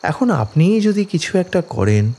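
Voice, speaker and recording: Playing an anguished village father begging tearfully and humbly for his afflicted daughter in an audio horror tale, this man uses a high, exaggerated voice. It swings widely in pitch at a measured pace, warm with a breathy edge, over dramatic background music.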